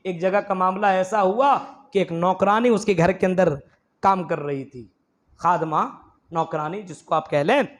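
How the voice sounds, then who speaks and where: High-voiced male preacher telling stories. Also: fairly bright tone. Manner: emphatic storytelling with repeated phrases, addressing the audience as brothers. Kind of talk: sermon. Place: mosque gathering.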